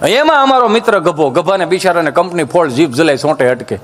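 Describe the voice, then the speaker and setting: A man's voice: on the high side, quick pace, faint music behind. A man telling comic stories on stage, jumping into the voices of the people in them. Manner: lively storyteller, swings between voices of characters. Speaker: folk comedian on stage. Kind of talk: stage comedy storytelling.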